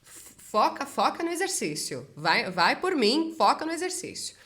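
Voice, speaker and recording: A woman speech therapist teaching a voice exercise lesson in an energetic, direct coaching manner. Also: high voice, measured pace.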